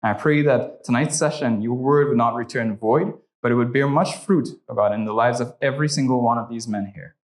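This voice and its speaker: A man's voice: mid-range voice, fairly quick, few pauses. A young man from Trinidad and Tobago with a Trinidadian accent, teaching a church class and leading a prayer, talking conversationally with many "right?" tags.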